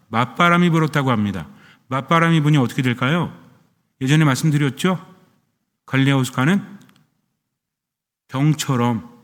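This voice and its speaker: A man's voice: mid-range voice, big-room sound. A man, a Catholic priest, preaching a sermon who keeps asking his listeners questions and answering them himself.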